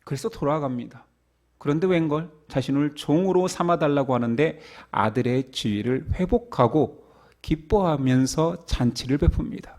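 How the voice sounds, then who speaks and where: A man's voice: a little high, moderate pace, a little mellow. A male pastor preaching a sermon with rhetorical questions to his congregation.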